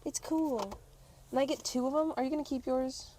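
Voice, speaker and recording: A woman's voice: sits high, steady tone, a little fast, warm tone. A woman podcast host chatting casually in a playful, giggly, talkative way. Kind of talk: casual chat. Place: on the go, around parking lot and car. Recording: noisy on-location recording with vehicle ambience. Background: clear ambient and vehicle noise.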